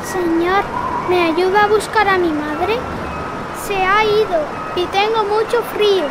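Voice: very high voice, fairly even intonation, unhurried. A performer playing an eerie little undead girl who coaxes sweetly in a horror audio drama. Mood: forlorn pleading. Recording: loud outdoor storm noise behind voice.

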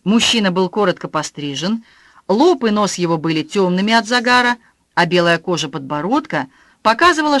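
An audiobook narrator reading a novel in an even, measured way on a close mic. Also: mid-range voice, no echo. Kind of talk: scripted narration.

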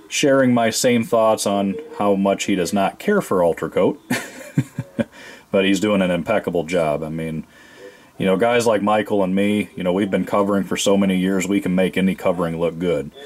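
A middle-aged man giving a casual, rambling hands-on review of a model airplane in his home workshop, talking through a camera mic with lots of fillers. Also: low voice. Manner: relaxed, rambling, many fillers.

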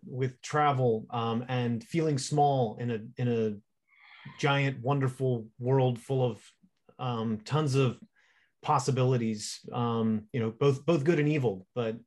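A man talking reflectively and conversationally as a panel guest on a video call, searching for his words as he goes. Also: mid-range voice. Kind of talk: reflective conversational talk about own artwork.

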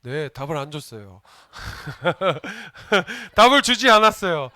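A man's voice: sits high, sing-song, slow pace, pushed and bright, no echo. A man, a junior pastor, giving a playful children's sermon and asking the kids questions as he goes. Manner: playful, asks the children questions and jokes with them.

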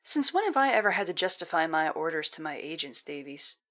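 A woman's voice: low-pitched, big pitch swings, a little fast, a bit bright. A woman playing a cold, condescending villainous spy commander in an audio drama. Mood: cold, imperious. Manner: condescending, taunting, menacing.

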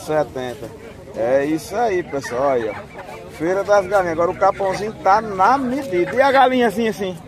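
A man's voice: sits high, lively intonation, brisk, a crowd in the background. A man with a Northeastern Brazilian accent, chatting casually as he films an outdoor animal market. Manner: chatty, keeps pointing things out. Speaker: vlogger filming a market. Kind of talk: casual walking vlog commentary. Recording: crowded outdoor market noise.

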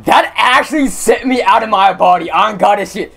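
A young man casually commentating on a game stream, using slang and talking excitedly to his chat. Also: high voice, moderate pace, creaky, music in the background. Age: young adult. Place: indoor room at streaming setup.

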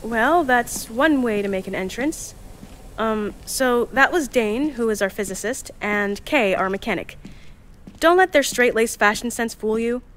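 A woman's voice: on the high side, expressive, measured pace, a bit bright, a little hiss or hum. An actress playing Jules, a cheerful, chatty young woman who organizes a time capsule team. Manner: bubbly, chatty, flustered. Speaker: narrator of time capsule recordings.

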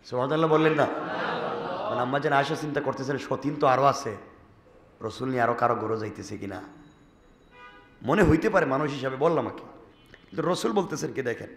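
A man preaching a Friday sermon, swinging from hushed storytelling to loud emotional calls and asking the congregation questions. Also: medium pitch, brisk, pauses often. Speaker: Islamic preacher. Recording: echoey hall.

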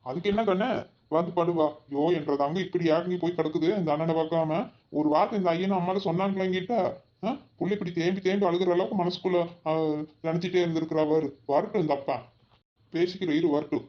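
A man voicing a doting village brother in a cartoon, with a fussing, soothing way of talking. His voice sits high and moves fast. The audio is dull and lo-fi. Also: steady tone, natural voice. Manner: soothing, fussing, repeats endearments. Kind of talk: cartoon voice acting.

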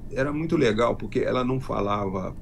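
An older man with a rural Minas Gerais accent, answering interview questions slowly over a video call from his home library, often restarting his sentences. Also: medium pitch, vocal fry, a little hiss or hum. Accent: rural Minas Gerais Portuguese. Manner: unhurried, with frequent restarts. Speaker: guest, self-taught linguist. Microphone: video call webcam.

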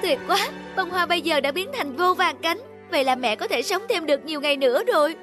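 A woman does cartoon voice acting as a devoted young daughter, earnest, pleading and emotional, with background music playing under her voice. Her voice is high-pitched and natural, and she speaks briskly.

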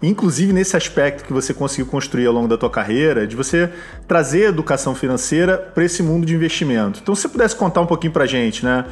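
A man's voice: a little high, animated, fast. A man in his thirties co-hosting over a video call, asking the guest a long, chatty question full of fillers. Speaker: co-host. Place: home room with bookshelves. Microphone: earphone mic on video call.

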